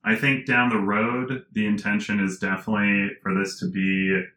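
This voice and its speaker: Bright-toned man talking in an interview. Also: lowish voice, moderate pace, slight background noise. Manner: animated, rambling with fillers and restarts; laughs often. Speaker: interview guest, tech founder. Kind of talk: casual conversational interview.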